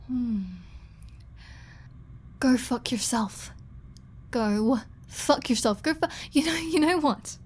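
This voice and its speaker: A woman's voice: mid-range voice, a little mellow. A woman voicing a flirty, sarcastic, defiant female vampire in a scripted ASMR audio roleplay. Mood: defiant, mocking. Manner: sarcastic, teasing, playful.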